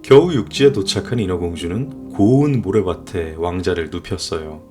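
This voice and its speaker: A man narrating a scripted bedtime fairy tale in a soothing storybook delivery, letting his sentence endings fall softly. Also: deep voice, moderate pace, faint music behind. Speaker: storyteller, father.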